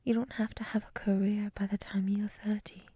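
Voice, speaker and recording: A woman playing a gentle, wise monster lady in an ASMR roleplay, whispering softly in a soothing, reflective, encouraging way, close to the mic. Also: medium pitch, little pitch movement, a little fast, no room sound, close to an everyday voice. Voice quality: soft, breathy whisper. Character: gentle, wise monster woman with many eyes, hotel resident. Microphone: close mic, dry.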